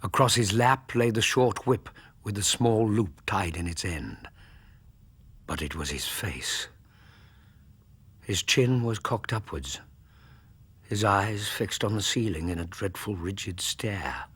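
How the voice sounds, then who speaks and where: A man narrating a story in a grave, measured way. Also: fairly low pitch, a bit bright, slightly rough.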